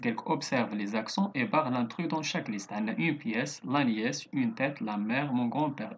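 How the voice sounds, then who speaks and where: A man's voice: medium pitch, highs cut off, a little hiss or hum. A man with a Moroccan Arabic accent teaching a recorded online lesson, going through words one by one. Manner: steady explaining, spelling out word after word.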